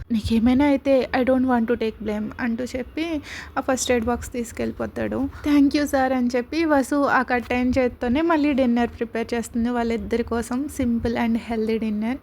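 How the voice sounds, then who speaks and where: A woman narrating a romantic serial story in a steady, conversational way. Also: fairly high pitch, slight background noise.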